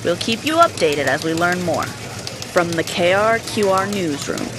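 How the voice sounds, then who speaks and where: Earnest newswoman over loud music, played by an actress. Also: on the low side, lively intonation, measured pace. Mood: earnest, urgent. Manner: formal, emphatic announcing. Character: earnest female TV or radio news reporter. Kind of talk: scripted breaking news report, audio drama.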